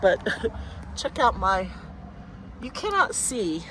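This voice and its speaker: A woman's voice: mid-range voice, very animated, slow pace, pushed and bright, rough recording. Chatty congested woman in a windy garden. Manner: chatty, rambling, talks to camera. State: congested, sniffling. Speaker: gardening vlogger. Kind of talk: casual garden walkthrough.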